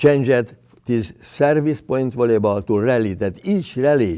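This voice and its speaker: Speaking fairly slowly with a Hungarian accent, a man has a medium pitch, a dark, mellow tone and lively intonation. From Hungary. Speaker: volleyball official. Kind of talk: interview. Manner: halting.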